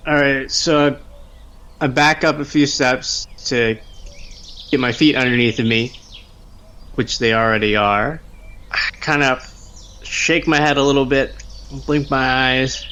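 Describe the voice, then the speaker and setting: Slow, halting man improvising game narration. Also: mid-range voice, sharp tone, a little hiss or hum. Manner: halting, bemused. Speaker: player in a tabletop roleplaying podcast. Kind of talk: improvised first-person roleplay narration.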